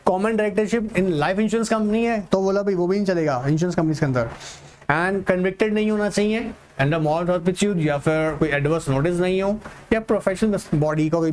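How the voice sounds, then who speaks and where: A male teacher with an Indian accent and a fairly high voice gives an online exam-prep lecture. He drawls through English lines word by word, then switches to quick, chatty Hindi explanations, speaking straight to his students and repeating each point. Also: darkish tone. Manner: mixes Hindi and English, reads slowly and explains fast.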